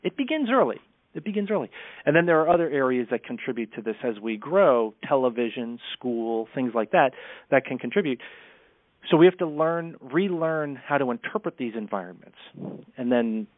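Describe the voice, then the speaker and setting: A man's voice: medium pitch, animated, dry recording. Man coaching on a tinny line. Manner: brisk, coaching, candid. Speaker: communication coach. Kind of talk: podcast interview. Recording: tinny phone-like line, dry.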